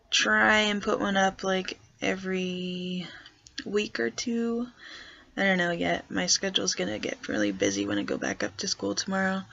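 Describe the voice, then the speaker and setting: A young trans guy talks slowly and hesitantly in a casual vlog, with a gravelly, creaky edge. He deliberately pushes his voice lower as he speaks. The recording sounds dull and lo-fi. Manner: hesitant, soft-spoken, consciously pitching voice lower. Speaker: vlogger.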